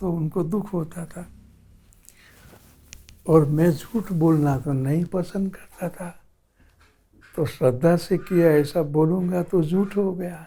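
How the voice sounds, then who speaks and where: A man speaks at a fairly high pitch. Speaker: spiritual teacher / guru narrating personal experience. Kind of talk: spiritual discourse, personal anecdote told to audience. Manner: gentle, sweet, soft-spoken.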